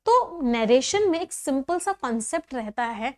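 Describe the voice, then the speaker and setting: A woman with a high, bright voice teaches grammar at a measured pace, her pitch swinging widely. She goes through each rule step by step, repeats the main points, and often checks whether students find anything unclear.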